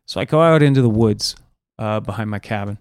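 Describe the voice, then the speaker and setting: A man's voice: fairly low pitch, a little fast, clean tone, dry recording. Guy telling a rambly spooky story on a podcast, lots of likes and uhs, dry mic. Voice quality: rambling, full of fillers. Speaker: podcast co-host.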